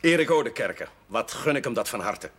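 An actor playing a witty, courteous and slightly frivolous Catholic curate in a television drama, with flowery phrasing. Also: male voice, mid-range voice, lively intonation, fairly quick, a bit bright, slightly rough. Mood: taken aback, earnest. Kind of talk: 1970s television drama acting.

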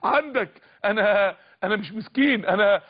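A man's voice: sits high, normal speed, dull audio. A man with an Egyptian accent voicing a troubled young man who stammers and pleads. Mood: pleading.

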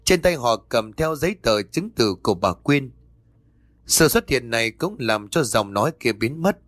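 A man's voice: medium pitch, big pitch swings, normal speed, fairly bright tone, no echo. Man narrating a ghost story. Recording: dry voice over faint music.

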